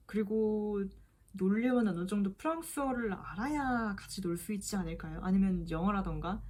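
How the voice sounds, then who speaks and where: A woman's voice: mid-range voice, darkish tone. A young woman in her twenties answering questions in a chatty, playful vlog. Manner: chatty, playful, mimics voices in quotes. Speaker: vlogger. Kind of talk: casual Q&A vlog.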